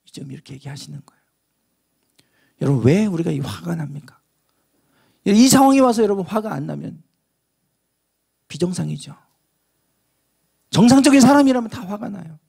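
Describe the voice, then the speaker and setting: A man preaching a sermon as pastor, telling a parable with lively acted-out dialogue. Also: sits high, normal speed, creaky, long pauses, breathy edge. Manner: animated storytelling, acting out the parable's dialogue.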